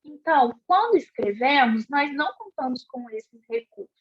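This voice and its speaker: A woman teacher explaining a class lesson slowly and clearly, asking rhetorical questions. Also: sits high, big pitch swings. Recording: dull lo-fi recording.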